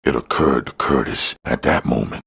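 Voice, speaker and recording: Male audiobook narrator, rumbling bass pitch, heavy vocal fry, scripted crime novel narration. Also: normal speed, a bit bright.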